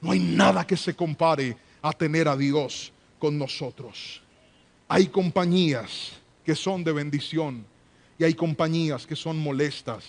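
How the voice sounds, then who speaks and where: A man's voice: a little high, a little slow, creaky. A man preaching a sermon as associate pastor, using rhetorical questions and call-and-response with his congregation in a church.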